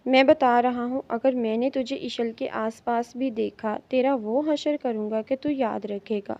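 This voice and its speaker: A woman's voice: a little high, fairly even intonation, dark tone, no room sound, muffled recording, close to an everyday voice. A woman reading the lines of an angry, possessive young husband in an audiobook, curt and threatening.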